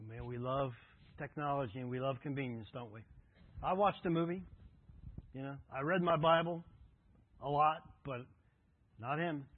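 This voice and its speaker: Heard in a dry, tinny recording that sounds like a phone, a pastor with a mid-range voice preaches. He shares travel anecdotes in a conversational way, then earnestly presses his listeners toward devotion.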